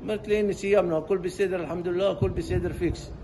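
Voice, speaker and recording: A distraught man speaks in a high, strained voice, his voice breaking as he tells what happened. The recording is noisy, with a clear hiss under the voice. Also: fairly even intonation. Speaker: bereaved father interviewed. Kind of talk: emotional recorded account.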